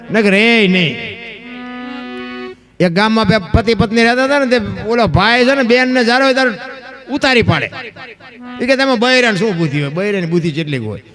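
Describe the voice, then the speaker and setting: A high-pitched man spins a folk tale on stage into a microphone. His talk is folksy and direct, turning often to the listeners. Instruments murmur faintly behind him. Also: a bit bright. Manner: folksy, addresses listeners as bapu. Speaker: folk storyteller. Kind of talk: folk dayro storytelling.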